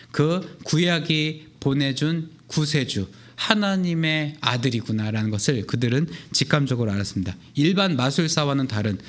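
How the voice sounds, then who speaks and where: Lively young male youth pastor preaching. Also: fairly high pitch. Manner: lively storytelling, acting out biblical voices. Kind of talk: sermon.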